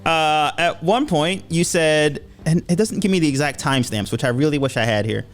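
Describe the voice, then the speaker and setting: A man's voice: on the high side, moderate pace, soft background music. A man co-hosting a podcast in casual chat, laughing often and reading tweets aloud with playful emphasis. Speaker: podcast co-host.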